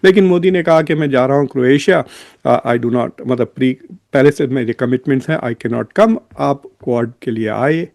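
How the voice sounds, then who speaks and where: An Indian-accented man with a soft, mellow voice hosts an informal political commentary. He speaks straight to his viewers at a middle pitch, moving back and forth between Hindi and English. The sound is close and dry. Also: normal speed, vocal fry, no echo.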